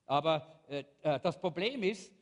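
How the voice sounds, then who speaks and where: A man's voice: fairly high pitch, animated, unhurried. A man, a pastor preaching a sermon and animatedly retelling a Bible story, acting out the characters. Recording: long hall reverb.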